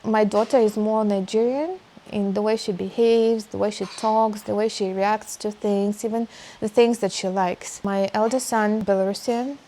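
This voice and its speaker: A woman's voice: mid-range voice, fairly even intonation, normal speed, dark tone, low-quality recording. A middle-aged woman talking as an interview guest in a casual, reflective way, hesitant and self-effacing.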